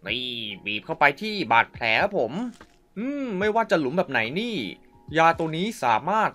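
A man's voice: a little high, expressive, normal speed, fairly bright tone, soft background music. A man giving playful, exclamatory gameplay commentary as a video host, with frequent wows and vocal sound effects.

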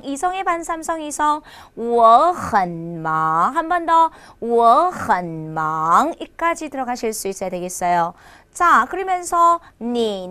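A woman teaching a Chinese language lesson online, drilling phrases slowly with exaggerated tones. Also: high voice, sharp tone.

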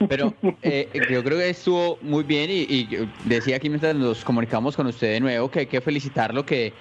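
A man's voice: mid-range voice, fairly quick, highs cut off, noisy background. A man with a Colombian accent chatting casually as a podcast co-host. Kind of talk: casual chat.

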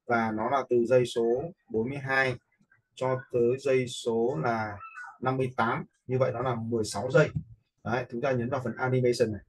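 A man giving a casual, step-by-step software tutorial, informally checking in with listeners as he goes. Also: medium pitch, level tone, fairly quick, husky. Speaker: video editing instructor. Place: indoors, voice-over for a screen recording.

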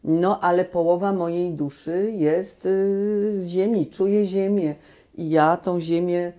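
A woman in her sixties, a guest actress, recalling her life in a relaxed, animated way full of restarts, in a small cozy room on a lapel mic. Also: on the low side, slow pace, muffled recording. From Poland. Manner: animated storytelling with many restarts. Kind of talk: relaxed reminiscing conversation.

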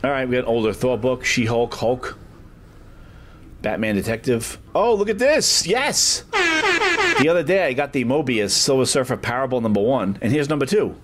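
A man's voice: mid-range voice, moderate pace, soft background music. A middle-aged man, casually narrating a walking vlog through a small comic shop, rambling with lots of filler words. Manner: chatty, rambling, many "uh" fillers, excited when finding books. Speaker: vlogger touring a comic shop. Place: street, then a small comic shop indoors.

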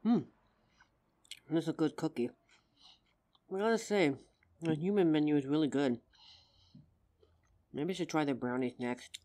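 A woman voicing a gentle young female werewolf girlfriend in an audio roleplay, speaking tenderly and slowly through a grounding exercise. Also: sits low. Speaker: voice actor.

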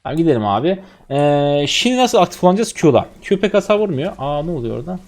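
An excitable young man from Turkey streaming a game and talking straight to his viewers. His voice sits fairly high and leaps around in pitch as he reacts to each play. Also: quick pace. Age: 20s. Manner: excitable, chatty, talks to viewers while playing. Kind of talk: live gameplay commentary.

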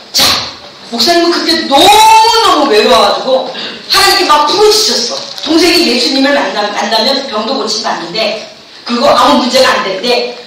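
A woman's voice: high voice, pushed and bright. A middle-aged woman pastor preaching fervently to students, having them repeat after her. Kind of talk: sermon to students at a camp. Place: large echoey hall. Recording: echoey hall, distant mic, background noise.

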